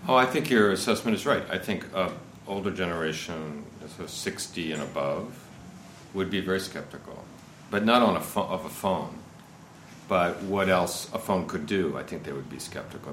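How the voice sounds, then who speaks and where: A man's voice: extremely low pitch, moderate pace, fairly bright tone. A man in his fifties speaking at an informal seminar, rambling and peppering his talk with "you know" and "right". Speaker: guest speaker on investment. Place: seminar room. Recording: echoey room with faint noise.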